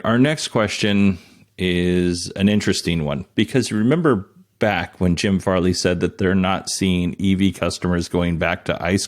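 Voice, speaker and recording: A man hosting a show, giving casual commentary and explaining things in plain, informal paraphrase. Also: low voice. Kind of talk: casual commentary on an earnings call.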